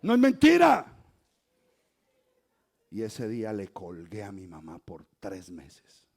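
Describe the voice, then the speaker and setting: A middle-aged Colombian man with a softened Colombian Spanish accent, preaching a sermon that swings from quiet asides to loud emphatic exhortation. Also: fairly low pitch, wildly swooping pitch, slow, vocal fry. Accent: Colombian Spanish, softened toward neutral. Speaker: pastor.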